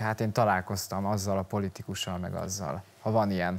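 An ordinary speaking voice from a man, fairly low in pitch. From Hungary. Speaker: TV talk show host. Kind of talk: interview. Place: studio. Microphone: lapel.

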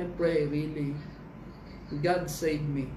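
Someone with a Filipino accent speaks at a moderate pace over noticeable background noise. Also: man. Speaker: pastor leading online prayer meeting. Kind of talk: fervent intercessory prayer, spoken aloud with repeated 'Lord' and 'hallelujah'; preaching or teaching in a Taglish mix. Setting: online livestream.

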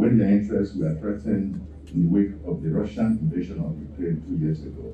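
A man with a Nigerian accent and lively intonation amid noticeable background noise. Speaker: guest lecturer on energy policy. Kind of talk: lecture. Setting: stage with audience. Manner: formal.

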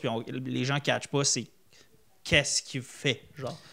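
The background stays quiet. Against it, a man talks at a fairly quick pace. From Quebec, Gatineau; Quebec. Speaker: comedian; comedian podcast host. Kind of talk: casual chat. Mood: playful, storytelling. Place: home room. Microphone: studio mic.

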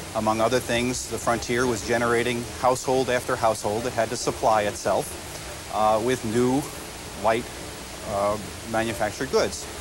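A man with an American accent, monotone and flat, in a dry sound with no echo over noticeable background noise. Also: moderate pace. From US. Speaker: archaeologist and professor. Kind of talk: academic interview. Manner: hesitant, many filler words. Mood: calm, thoughtful, slightly smiling. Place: street.

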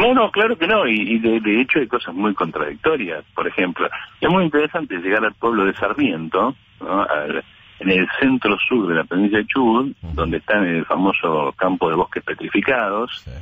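The voice moves at a moderate pace with very wide pitch swings. Noticeable background noise runs underneath. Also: man, fairly low pitch for a man. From Argentina, Patagonia (Perito Moreno, Santa Cruz). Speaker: political commentator and historian. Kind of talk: radio interview column. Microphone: line interference.

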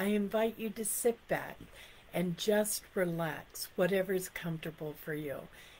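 A woman with a fairly low pitch speaks in a gentle, somewhat breathy tone with ordinary pitch variation over light background noise. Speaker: ministerial intern leading prayer. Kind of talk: guided meditation with slow repeated affirmations. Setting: live-streamed online video. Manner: slow, soothing breath cues; gentle, repeats each affirmation twice. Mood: calm, soothing. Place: home room. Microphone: webcam.

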